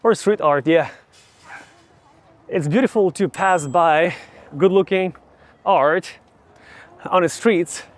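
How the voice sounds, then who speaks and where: A young man with a Ukrainian accent, vlogging outdoors while walking city streets, chatting casually and slowly explaining English words. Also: sits high. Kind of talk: casual travel vlog with teaching asides.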